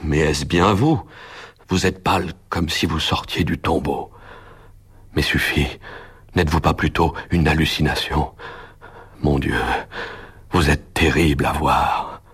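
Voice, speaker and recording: A man's voice: rumbling low, steady tone, measured pace, long pauses, a bit bright, slightly rough, full character voice. A man reading the lines of a frightened, breathless young doctor in a muffled, hollow voice. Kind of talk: audiobook character reading.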